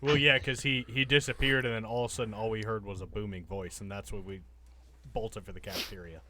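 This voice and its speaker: A man's voice: lowish voice, fairly even intonation, quick pace, pushed and bright. A man talking and explaining things casually as a player in a tabletop game.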